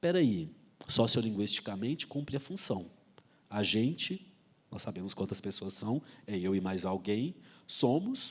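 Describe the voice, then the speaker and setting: A man at a moderate pace with a Belo Horizonte accent and very wide pitch swings. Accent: Belo Horizonte (mineiro) Brazilian Portuguese. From Brazil, Belo Horizonte (Minas Gerais). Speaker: writer and professor. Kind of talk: panel talk at literary festival.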